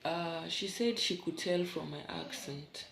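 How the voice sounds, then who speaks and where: A woman's voice: lowish voice, fairly even intonation, a little slow, gravelly, fairly bright tone. A Kenyan woman vlogging from her bedroom, chatting in a rambling way with asides to her viewers. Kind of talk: casual vlog chat. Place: bedroom at home. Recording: echoey room, faint background hum.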